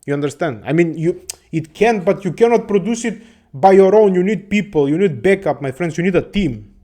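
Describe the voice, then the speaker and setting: High-voiced man. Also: lively intonation, fairly quick, warm tone. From Balkans. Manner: rambling, profane, laughs often, keeps saying "my friends". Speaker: host. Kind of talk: casual monologue to viewers.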